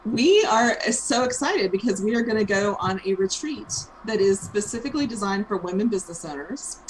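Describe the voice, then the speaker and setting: A woman in her fifties co-hosting a business show, talking in a thoughtful, even way with frequent ums. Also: medium pitch, normal speed, a little hiss or hum, rough recording. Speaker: co-host and franchise owner. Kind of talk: casual chat.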